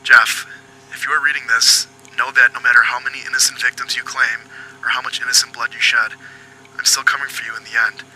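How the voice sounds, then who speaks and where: A man playing a foul-mouthed but apologetic police agent in an audio drama, questioning politely and haltingly. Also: mid-range voice, level tone, sharp tone, rough recording. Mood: reading grimly. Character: foul-mouthed, apologetic male detective agent hunting a killer.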